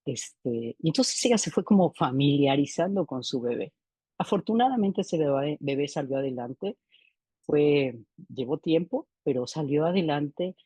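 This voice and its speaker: Lady psychoanalyst going over a case, soft husky voice, keeps adding "¿no?". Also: deep voice, lively intonation, unhurried, no echo. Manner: reflective, tags sentences with "¿no?". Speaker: psychoanalyst presenting a clinical case. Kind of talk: seminar lecture, case narration.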